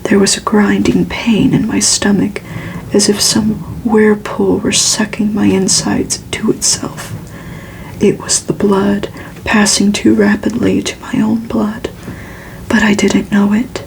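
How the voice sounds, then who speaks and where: A woman reading gothic fiction aloud in a soft, steady, unhurried ASMR whisper. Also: medium pitch, vocal fry, rough recording.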